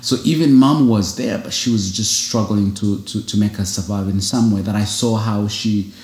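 Man from Uganda, low voice, reflective, roomy echo. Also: normal speed, darkish tone. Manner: earnest, reflective, frequent "you know" fillers. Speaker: guest, single foster father. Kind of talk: casual interview conversation.

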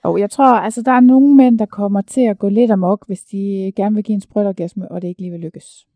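A woman's voice: mid-range voice, fairly even intonation, mellow, no room sound. A woman in candid casual chat, frank and matter-of-fact, often answering with short agreements.

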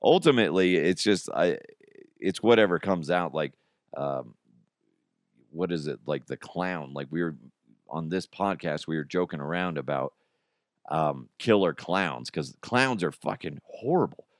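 A man's voice: deep voice, lively intonation, measured pace, no room sound, studio quality. A man, likely middle-aged, hosting a podcast with a casual, rambling, joking and crude monologue. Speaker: podcast host. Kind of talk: casual comedic monologue with ad reads.

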